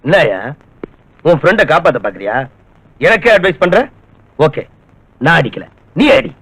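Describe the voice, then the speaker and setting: An actor playing a hot-tempered police officer who taunts and interrogates aggressively. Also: male voice, a little high, very animated, moderate pace, fairly bright tone, no room sound, full character voice, poor audio. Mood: provoking. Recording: film soundtrack with clear music.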